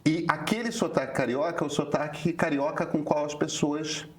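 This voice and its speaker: A man in his fifties with a Rio de Janeiro carioca accent, explaining things in a relaxed talk-show chat, hesitant with frequent filler restarts. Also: a little high, normal speed. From Brazil, Rio de Janeiro. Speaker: journalist co-host. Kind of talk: casual conversational explanation.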